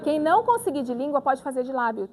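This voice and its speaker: A woman speech therapist giving a live lecture with voice exercises, animated and demonstrative, often checking in with the audience. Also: high-pitched, fast talker, noisy background.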